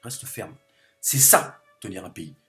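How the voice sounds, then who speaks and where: A man's voice: sits low, lively intonation, measured pace, fairly bright tone, soft background music. A man delivering an impassioned political monologue to camera, hammering his points by repeating phrases over and over. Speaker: video commentator.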